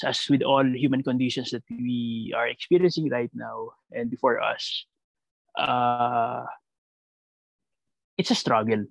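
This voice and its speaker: A Filipino man answers reflectively in conversational Taglish, mixing Tagalog and English. He halts and repeats words as he thinks aloud, his mid-range voice creaky. The recording is low quality with no room sound.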